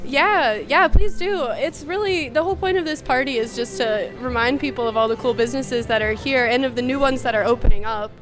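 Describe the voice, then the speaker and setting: A woman's voice: sits high, fairly quick, few pauses. Eager woman artist over street music. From Michigan. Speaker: mural artist. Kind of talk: street interview answers. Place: outdoors on a street. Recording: music playing nearby.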